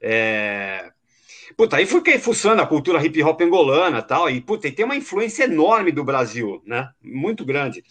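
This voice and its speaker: A man's voice: on the high side, sing-song, moderate pace, a bit bright. A man from Brazil, hosting a podcast in a rambling, casual way full of fillers and slang. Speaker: podcast host.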